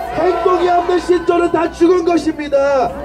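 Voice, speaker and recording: Loud background noise fills the recording. A man talks at a fairly slow pace. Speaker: political rally speaker. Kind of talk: protest rally speech. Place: street.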